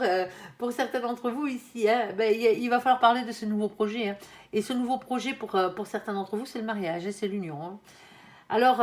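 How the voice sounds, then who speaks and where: A chatty woman lays out tarot cards for her audience, sprinkling her talk with quick asides and playful warnings. Her voice sits fairly high for a woman. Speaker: tarot reader. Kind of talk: casual tarot reading.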